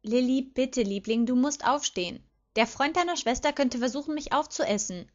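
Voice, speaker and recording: A woman's voice: sits high, moderate pace, pitched above the performer's own voice, natural voice. A woman voicing a cocky, teasing teenage boy wizard in a fan fiction audiobook, speaking in a playful, coaxing and mocking manner. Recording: slightly dull lo-fi recording.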